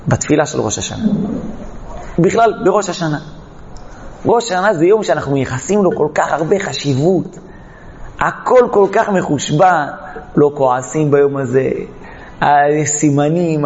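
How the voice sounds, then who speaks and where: A man with a slightly high, darkish voice teaches a Torah lesson by telling a parable dramatically and acting out each character. The lo-fi recording has a long reverb tail and a little hiss or hum.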